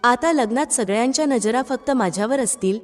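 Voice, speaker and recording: A woman's voice: on the high side, expressive, brisk, lightly acted. A woman narrator voicing a scheming, resentful young wife in a storybook, reading her lines in a plain voice. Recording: long reverb with background music.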